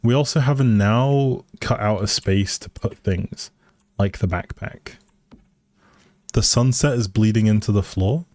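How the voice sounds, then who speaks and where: A man with a dark, relaxed voice talks at a slow, easy pace, as if streaming a game. He thinks out loud and replies to viewers in casual chat, recorded close and dry. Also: fairly low pitch, no room sound. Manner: thinking aloud, musing, responding to viewers. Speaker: live streamer.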